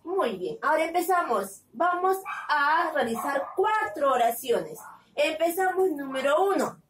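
High-pitched teacher lady stretching out every word for little kids, roomy echo. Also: big pitch swings, a bit bright, slight background noise. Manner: drawn-out, syllable-by-syllable dictation. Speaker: kindergarten teacher. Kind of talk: slow, sing-song class lesson for small children. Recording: echoey room, slightly distant from the mic.

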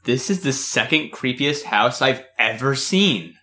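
A man's voice: mid-range voice, lively intonation, measured pace, bright, forceful tone. An actor playing a dim, brash young man who serves as hired muscle, blunt and cheerfully tough.

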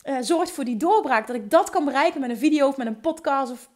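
A young woman hosts a solo podcast in a high, bright register. She speaks with a Limburg accent and an upbeat, high-energy delivery. She often trips over her words and restarts. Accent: Limburg Dutch. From Limburg, Netherlands. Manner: energetic, enthusiastic, talks fast with many restarts. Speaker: podcast host.

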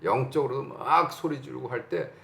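Middle-aged Korean pastor, lively gravelly sermon delivery with roomy echo, emphatic. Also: male voice, medium pitch, moderate pace. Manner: animated, emphatic, shouts out bursts and acts out quotes.

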